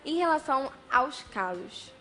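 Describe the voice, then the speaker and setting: A woman's voice: high voice, lively intonation, measured pace, fairly bright tone, faint music behind. A woman with a Brazilian Portuguese accent hosting a TV talk show, asking chatty, conversational questions. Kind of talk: studio interview hosting. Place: television studio.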